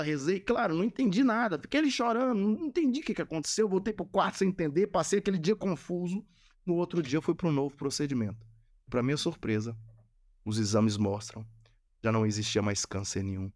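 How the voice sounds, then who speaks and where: Earnest man with a higher voice. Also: fast talker, darkish tone. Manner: earnest storyteller who repeats phrases for emphasis. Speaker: guest, Catholic missionary. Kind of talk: spoken testimony in a podcast.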